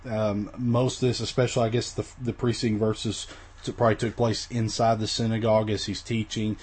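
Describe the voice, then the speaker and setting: A man's voice: on the low side, level tone, brisk, a little mellow, slightly rough. A man teaching a recorded Bible lesson in a casual, rambling way, with many fillers and restarts, his voice weak after the flu.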